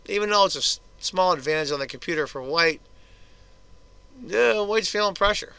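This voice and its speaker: Hoarse man commenting on chess. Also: high voice, animated, moderate pace, sharp tone, no echo. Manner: casual, chatty move-by-move analysis. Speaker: chess video host.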